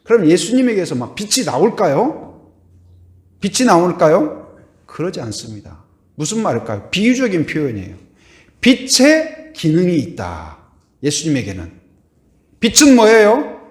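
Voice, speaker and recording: A man preaching a sermon as pastor, asking the congregation questions and answering them, swinging from loud to hushed and trailing off on repeated words. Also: sits high, wildly swooping pitch, normal speed, pauses often, roomy sound. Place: church sanctuary.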